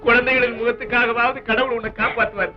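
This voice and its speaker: An actor playing an anxious, loving husband in a 1960s film melodrama, soothing and pleading. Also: male voice, very high voice, little pitch movement, fast. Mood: comforting. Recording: dull old film soundtrack with music.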